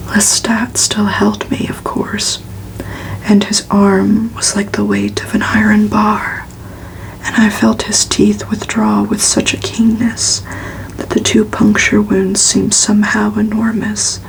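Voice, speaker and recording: A woman reads a gothic novel aloud for ASMR in a soft, hushed whisper, narrating evenly. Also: mid-range voice, gravelly, a little hiss or hum, poor audio. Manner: slow, hushed, even narration. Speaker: ASMR reader.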